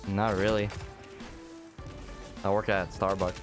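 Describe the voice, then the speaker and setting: A young man with a French accent chatting casually while playing a shooter, relaxed and laughing often. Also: on the low side, takes it slowly, over music. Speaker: gaming YouTuber posing as a student. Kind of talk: casual gaming chat. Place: home room at desk.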